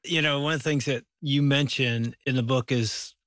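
A man interviewing an author, asking questions in a calm, measured way. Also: mid-range voice, no echo, clean studio sound.

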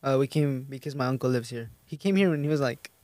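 A man's voice: medium pitch, quick pace, dry recording. A young man from Mexico, a native Spanish speaker, talking casually and hesitantly with lots of fillers. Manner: hesitant, filler-heavy, soft-spoken. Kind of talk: casual chat.

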